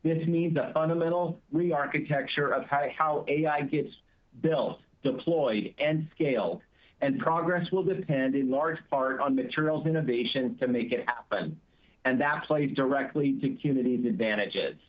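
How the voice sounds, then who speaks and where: Male executive, mid-pitched, measured scripted delivery of earnings remarks, muffled conference-call sound. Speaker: company chief executive. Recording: dull, band-limited conference call audio.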